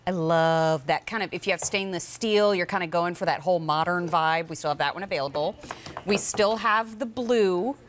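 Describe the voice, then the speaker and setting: A woman's voice: lowish voice, normal speed, a little hiss or hum. A middle-aged American woman presenting live as a home shopping host, chatting emphatically as she sells products. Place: TV studio kitchen set.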